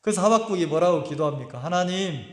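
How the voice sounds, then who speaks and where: A man's voice: sits high, very animated, measured pace. A male pastor preaching a sermon emphatically, firing rhetorical questions at the congregation. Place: church sanctuary. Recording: echoey church hall with long reverb.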